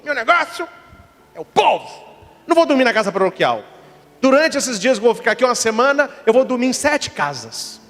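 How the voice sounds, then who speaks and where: A man's voice: extremely high pitch, very animated, a little fast, a bit bright, heavily acted. A man playing a patient, indulgent old bishop, in a reverberant church hall.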